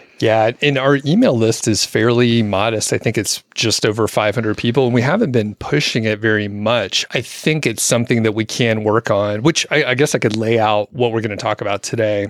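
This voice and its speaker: Speaking at a fairly quick pace, a man with medium pitch uses an ordinary speaking voice, fairly even intonation and very even loudness. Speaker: podcast co-host. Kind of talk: casual chat. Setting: home studio in basement.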